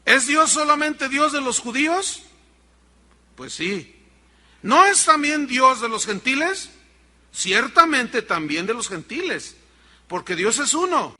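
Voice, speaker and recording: A man's voice: high-pitched, sharp tone, big-room sound. A man preaching a sermon as pastor, emphatic and firing rhetorical questions at the congregation.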